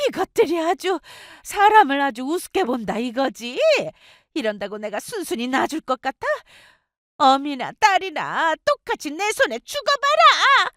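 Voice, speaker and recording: A woman's voice: sits high, sing-song, normal speed, sharp tone, no room sound, clean studio sound, voice pushed up, heavily acted. A woman voicing a scornful, vicious middle-aged mother-in-law in a storybook narration, screeching insults and threats. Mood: shrieking, threatening.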